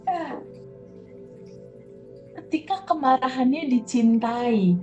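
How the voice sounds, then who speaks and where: Woman coach talking slow and soft, kinda high voice, repeats stuff, light music in the back. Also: highs cut off. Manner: soft, slow, reflective, repeats words for emphasis. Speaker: guest coach on emotional release. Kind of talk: conversational interview.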